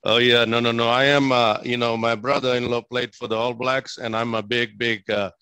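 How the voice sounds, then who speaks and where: A man from Fiji, a physician, takes questions at a presentation, answering enthusiastically and emphatically and often repeating himself. His mid-range voice is smooth, pushed and bright, with a level tone at normal speed on a dry recording.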